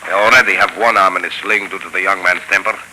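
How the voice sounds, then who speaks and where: An actor playing a menacing hypnotist professor villain, speaking slowly and commandingly, in 1930s radio drama style. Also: male voice, low voice, fairly even intonation, sharp tone, slight background noise, poor audio. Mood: polite.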